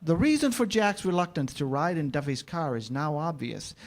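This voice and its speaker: A man's voice: a little high, expressive, normal speed. A man narrating the stage directions of a screenplay at a live staged reading.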